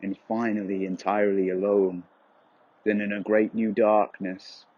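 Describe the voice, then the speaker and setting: Low, husky man narrating solemnly. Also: level tone, no echo, phone-quality sound. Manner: brooding, solemn, measured delivery. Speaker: voice-over narrator. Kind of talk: scripted dramatic narration of dark poetic prose.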